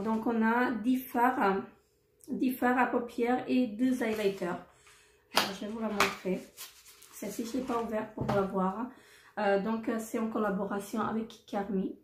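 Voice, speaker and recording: A woman's voice: fairly high pitch, darkish tone. Hesitant woman in an echoey room. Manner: hesitant, many fillers and repeats. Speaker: beauty vlogger. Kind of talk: casual product haul.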